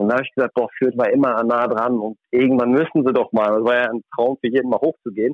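Speaking very fast, a man uses a medium pitch and fairly even intonation. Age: 30s. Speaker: former professional footballer. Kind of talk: casual interview. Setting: phone call. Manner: halting.

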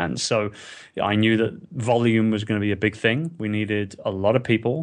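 Against a quiet background, the speaker talks with a London accent. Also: man. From London, England. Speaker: entrepreneur. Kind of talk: interview.

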